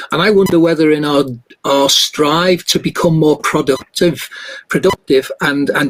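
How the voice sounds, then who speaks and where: A man's normal speaking voice, fairly high in pitch, with fairly even intonation and a fairly slow pace. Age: 60s. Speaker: leadership coach. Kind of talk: live webinar conversation. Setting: live online stream.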